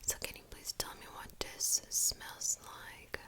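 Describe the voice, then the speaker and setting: A woman softly whispering in an ASMR medical exam roleplay, giving slow, gentle, attentive instructions as the examiner. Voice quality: soft breathy whisper.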